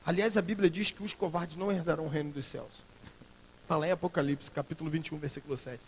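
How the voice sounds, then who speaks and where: A Brazilian pastor preaching a sermon in a church, swinging between loud emphatic outbursts and quiet earnest passages. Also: male voice, on the high side, fairly even intonation, fast talker, in a large hall, slight background noise. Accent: Brazilian Portuguese. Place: church sanctuary.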